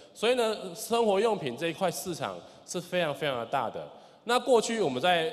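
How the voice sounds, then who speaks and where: A man speaks in a Taiwanese accent with very wide pitch swings. Noticeable background noise is present. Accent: Taiwanese Mandarin. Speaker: network marketing speaker. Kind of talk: sales pitch. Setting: stage with audience.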